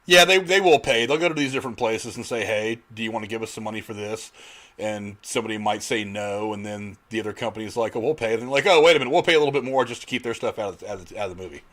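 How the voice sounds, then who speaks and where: A man's voice: fairly low pitch, quick pace, a bit bright. Man explaining things in a casual panel chat. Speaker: podcast host.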